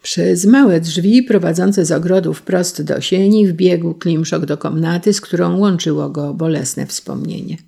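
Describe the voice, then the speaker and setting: A reader narrating a historical novel in a steady storytelling manner. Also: medium pitch, vocal fry, slightly rough. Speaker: audiobook reader.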